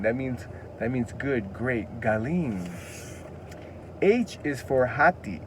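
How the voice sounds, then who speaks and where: Man, Californian accent, slow measured pace, earnest teaching tone, reads aloud and repeats words, faint hum in the background. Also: medium pitch. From United States. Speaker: language teacher. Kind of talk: casual lesson, reading a children's alphabet book aloud.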